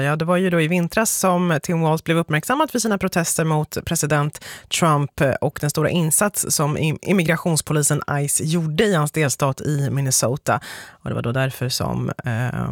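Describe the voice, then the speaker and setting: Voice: mid-range voice, no room sound. Dry-sounding studio radio presenter. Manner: brisk, reads numbers and links clearly.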